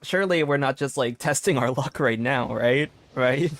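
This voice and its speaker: A man's voice: mid-range voice, moderate pace. Chatty young male game streamer. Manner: chatty, talks to viewers, bursts into laughter and excited shouts. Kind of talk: casual gaming livestream chat. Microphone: desk mic with limiter filter.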